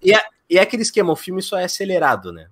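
A young man from Brazil, a podcast guest and video editor, talking in a fast, excitable way full of slang. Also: sits high, no echo, studio quality. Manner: excitable and talkative, heavy slang. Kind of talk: casual podcast chat.

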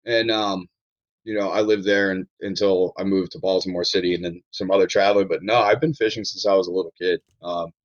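A man's voice: sits low, fairly even intonation, a little fast, dull audio. A man from Maryland talking casually on a podcast as a chef guest, rambling with restarts and blunt swearing.

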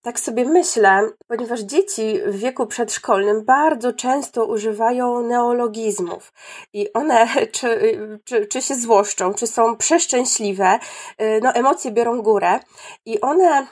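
A preschool teacher speaking in a loose, conversational way, pausing often with fillers and restarting her sentences. Her voice sits a little high for a woman. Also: a little mellow, breathy edge. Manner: hesitant, many fillers and restarts. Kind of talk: casual discussion.

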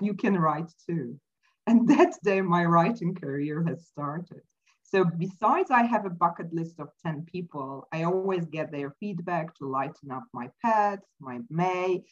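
A woman whose first language is not English, speaking as an interview guest, thoughtful and halting with many fillers. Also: on the low side, expressive, muffled recording. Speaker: podcast guest. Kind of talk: casual interview talk. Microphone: remote call mic.

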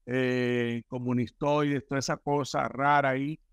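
A man's voice: mid-range voice, little pitch movement, measured pace, smooth, no echo. A man as a podcast guest, telling stories emphatically and repeating himself. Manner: emphatic, repetitive storytelling. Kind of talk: casual spiritual conversation.

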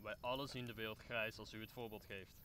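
A man's voice: on the low side, steady tone, fairly quick, pushed and bright, slight background noise. A man playing a talkative, optimistic old counsellor who speaks formally in an audio drama. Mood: idealistic, declaiming. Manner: formal, speechifying. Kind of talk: Dutch audio drama acting of Shakespeare.

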